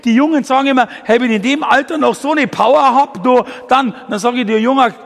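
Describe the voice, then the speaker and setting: A very high-pitched man in his sixties with a gravelly edge delivers a lively testimony sermon. He talks directly to the congregation, jumping between tangents with plenty of energy. His voice rings out with a long church reverb. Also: quick pace. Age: 60s. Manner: energetic, addresses listeners directly as du, digressive. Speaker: guest preacher.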